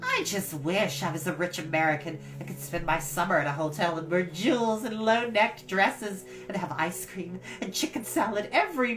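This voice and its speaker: A woman's voice: medium pitch, fairly bright tone, voice pushed up. Woman as a wistful, effusive teenage girl. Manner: sighing, effusive.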